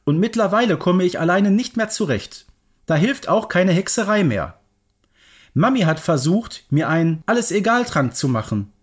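Storybook young witch read by a man: bullied, vulnerable, brave, higher register, animated melody. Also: normal speed, slightly rough, exaggerated voice. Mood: downcast. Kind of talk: children's audio story reading.

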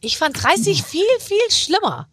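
A woman in her forties hosting a podcast, chatting casually and lively, teasing her guest. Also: high voice, no room sound. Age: 40s. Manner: lively, teasing, quick to laugh. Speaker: podcast host. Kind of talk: casual interview chat.

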